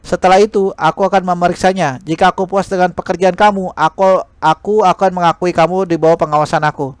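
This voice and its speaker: A man's voice: high-pitched, fairly even intonation, fast talker, smooth, no room sound, natural voice. A man voicing a stern, dismissive male teacher in an audiobook, speaking in a curt and commanding manner. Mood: demanding.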